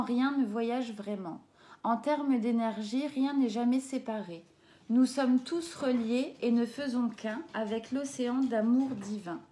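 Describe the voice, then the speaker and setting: A woman's voice: a little high, dark tone. A French woman doing an oracle card reading, reading the card texts aloud and adding hesitant comments with many fillers. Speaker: tarot and oracle card reader.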